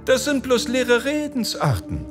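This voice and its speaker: Give me a man doing a wheedling, high-voiced scheming wife from a storybook, slow and mock-sweet. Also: huge pitch swings, soft background music, exaggerated voice. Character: shrewd scheming wife haggling over debts.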